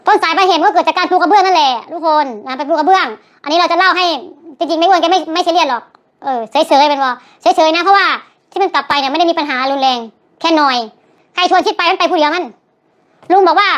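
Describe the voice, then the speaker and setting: Chatty older woman, quick and high. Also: a bit bright. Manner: rambling, chatty, self-correcting. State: sore throat. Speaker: vlogger. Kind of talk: recorded clip of casual storytelling.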